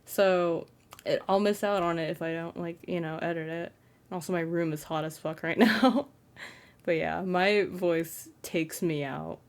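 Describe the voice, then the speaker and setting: A young trans man with a feminine-sounding, fairly flat voice, rambling self-consciously in a casual late-night vlog from his bedroom, full of "like" fillers. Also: fairly high pitch, measured pace, clear, resonant tone. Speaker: content creator.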